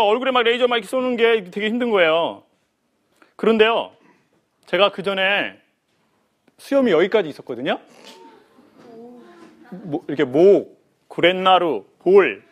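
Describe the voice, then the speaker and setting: A male lecturer with a fairly high voice that swoops up and down a great deal. He tells his stories in a playful, animated way and slips into acted voices for the people in them. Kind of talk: humorous life lecture to an audience.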